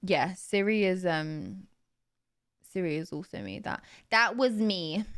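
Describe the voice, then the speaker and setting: Recorded very cleanly against a silent background, a woman with a southern English accent speaks at a medium pitch in an animated tone. She leaves long, frequent pauses. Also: ordinary pitch variation, fairly slow pace. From southern England, near Croydon. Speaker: streamer. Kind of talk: casual chat.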